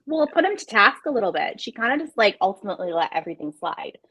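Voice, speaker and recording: A woman with a husky voice casually discussing books as a live show host. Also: medium pitch, sing-song, fast, fairly bright tone, no room sound.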